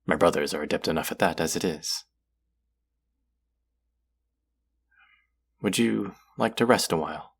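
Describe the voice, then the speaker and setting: Guy doing aloof underworld god for audio rp, really deep n gravelly, formal and dry, secretly soft. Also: a little fast, full character voice. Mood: reserved, curious. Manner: formal, wry, guarded, addressing the listener directly. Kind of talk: intimate scripted audio roleplay.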